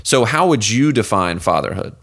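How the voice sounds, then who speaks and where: A man's voice: fairly low pitch, animated, moderate pace, vocal fry, a bit bright. A man hosting an interview, affirming his guest and asking long, winding questions. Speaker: interview host. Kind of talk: casual interview conversation.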